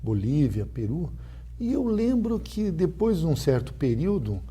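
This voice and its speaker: Mellow older Brazilian male host. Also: on the high side, very animated, unhurried, breathy edge. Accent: Brazilian Portuguese. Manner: polite, formal address, leisurely anecdotes. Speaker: interview host, former reporter.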